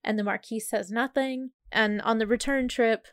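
A woman's voice: a little high, fairly even intonation, normal speed, no echo, clean studio sound. A woman co-hosting a casual book discussion, retelling a plot in a chatty way with many fillers. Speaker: podcast co-host.

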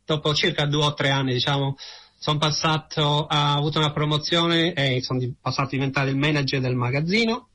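Bright-voiced Italian man, halting storyteller. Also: a little high, steady tone, a little hiss or hum. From Italy. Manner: hesitant, halting, repeats words. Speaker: interview guest. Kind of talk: personal storytelling in conversation.

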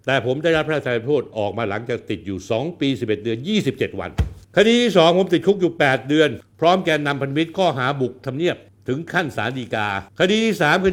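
An older man in his sixties, a political commentator addressing a rival directly, blunt, coarse and accusatory. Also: mid-range voice. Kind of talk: confrontational on-camera address.

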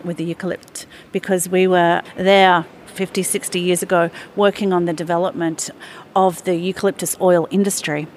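A woman with a lowish voice talks steadily and warmly about her work as a museum chief executive, pausing with small fillers. A faint hiss sits under the recording. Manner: measured, enthusiastic, with fillers. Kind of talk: radio interview answers.

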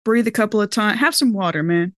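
A woman's voice: mid-range voice, lively intonation, fairly quick, no room sound, clean studio sound. A woman playing a tabletop roleplaying game, slipping between casual table talk and improvised character lines in a slangy, playful way.

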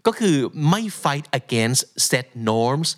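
A relaxed, chatty man explains idioms like a friendly teacher, with a voice of ordinary pitch. He keeps the lesson conversational, slipping in English phrases and rhetorical checks with the listener. His tone stays polite and easygoing throughout. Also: extremely slow. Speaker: language teacher and podcast host.

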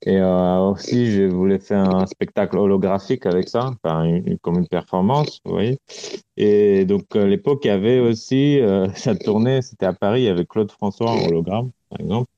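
A man from Romania, a guest speaking in a halting way and searching for words, heard over a remote call connection. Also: low-pitched, mellow. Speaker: artist guest. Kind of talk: casual interview talk. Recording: dull lo-fi call audio, dry.

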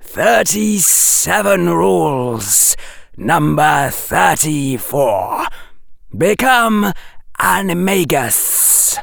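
Male reader doing a sardonic snake, raised voice, drawn out and clipped, with a gravelly edge. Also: a little high, fairly bright tone, dry recording, studio quality, voice pushed up, full character voice. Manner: clipped broken speech, slow and deliberate. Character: sardonic terse hissing snake.

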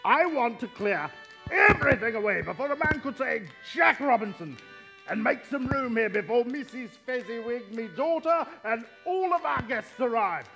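Boisterous jolly old boss, super high bright voice, hearty, stage radio play. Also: male voice, animated, moderate pace, creaky, full character voice. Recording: live stage recording, music underneath.

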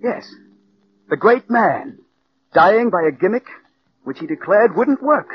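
An actor playing a nervous writer who stammers and broods over murder, in 1940s radio style. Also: male voice, high-pitched, expressive, unhurried, a little hiss or hum. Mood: brooding. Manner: stammering when pressed, brooding in narration. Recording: dull old radio broadcast, music behind.

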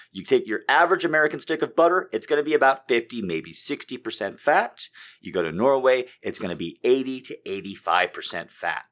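A comedian giving a sarcastic comedic rant, profane and animated. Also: male voice, lowish voice.

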